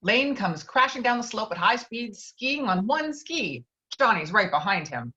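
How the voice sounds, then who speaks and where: A woman narrates the action lines of a screenplay at a virtual table read. Her pitch is medium. The recording is a little dull, like online call audio. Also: very animated, measured pace, sharp tone. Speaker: stage directions narrator. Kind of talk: scripted narration of screenplay directions.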